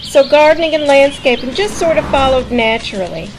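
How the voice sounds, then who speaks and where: High-voiced, friendly house-proud woman, acted. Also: lively intonation, brisk. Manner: chatty, polite. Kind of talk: audio drama acting. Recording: noisy, birdsong ambience.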